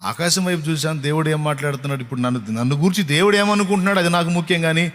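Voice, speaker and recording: Pastor, male, high-pitched, preaching with emphatic repetition and rhetorical questions. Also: rapid-fire, a bit bright. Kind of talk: sermon to a congregation.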